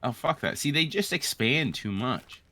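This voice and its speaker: A man's voice: medium pitch, lively intonation, normal speed, sharp tone. A man co-hosting a let's-play, chatting casually with a friend in a rambling, sweary way. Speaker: co-host of a let's-play show. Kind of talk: casual gaming banter between friends.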